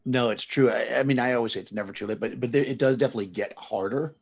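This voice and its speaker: A man hosting a casual chat as a photographer, talking in a quick, chatty way and laughing easily. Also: mid-range voice, creaky, husky. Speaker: photographer host.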